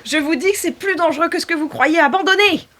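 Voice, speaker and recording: A woman's voice: extremely high pitch, quick pace, a bit bright, a little hiss or hum, pitched above the performer's own voice. Woman doing a shifty fiftyish apothecary lady, panicky, pleading, warning people off, improv audio rpg. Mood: urgent warning.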